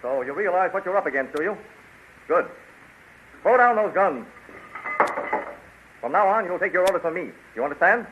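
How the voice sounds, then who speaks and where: A bold captain barks orders with lively swings in pitch. His voice is a touch high and comes through a dull, hissy old radio transcription. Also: normal speed, pauses often. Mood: commanding. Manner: commanding, forceful declarations. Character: bold commanding male captain, defiant hero's ally. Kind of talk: 1930s radio drama acting.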